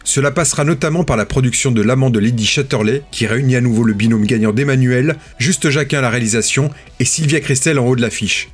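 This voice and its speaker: A man reading a scripted documentary narration in a measured, storytelling way. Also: mid-range voice, breathy edge, faint music behind.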